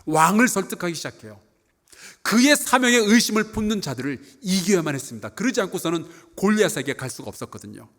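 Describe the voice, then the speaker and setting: A middle-aged pastor delivers a sermon from the pulpit in a fairly high, very lively voice that rises and falls with emphasis. He preaches earnestly, asking rhetorical questions and repeating key phrases. The sound carries a long church reverb. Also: fast talker. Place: church sanctuary.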